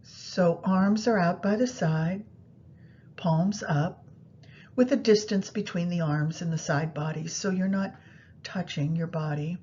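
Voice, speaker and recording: A woman guiding a meditation practice in a soothing, unhurried manner, pausing between phrases. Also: darkish tone. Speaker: yoga nidra meditation guide. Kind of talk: guided meditation instruction. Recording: muffled, low rumbling background noise.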